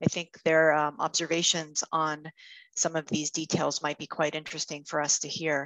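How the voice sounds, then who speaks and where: Light background noise sits behind a woman with a very deep, low pitch. Her intonation is monotone and flat. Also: moderate pace. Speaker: academic association director and panel moderator; panel moderator. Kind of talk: moderating an online panel discussion. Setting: video call. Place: home room. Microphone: video call.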